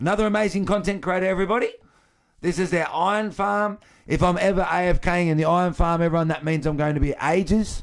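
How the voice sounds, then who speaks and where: A man with an Australian accent speaks at a very fast pace. His pitch is high, with ordinary variation. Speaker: video game streamer. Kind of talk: live gameplay stream commentary.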